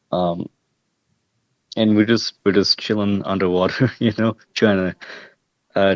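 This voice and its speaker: A man's voice: low voice, no echo. A man chatting casually as a player in an online tabletop game, speaking hesitantly with many fillers. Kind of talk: casual chat between players. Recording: dull, dry lo-fi mic.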